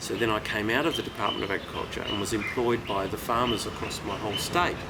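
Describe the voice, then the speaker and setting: A man with an Australian accent at a very fast pace, medium in pitch with ordinary variation, amid noticeable background noise and audible room echo. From Western Australia. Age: 60s. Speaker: farmer and agricultural scientist. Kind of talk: interview. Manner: halting.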